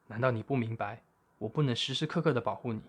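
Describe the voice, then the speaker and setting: A man's voice: mid-range voice, quick pace, slightly rough, lightly acted. A stern, watchful black panther, as a man plays him in a storybook tale. He scolds in a firm, level voice. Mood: scolding. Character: stern, cautious male black panther guardian.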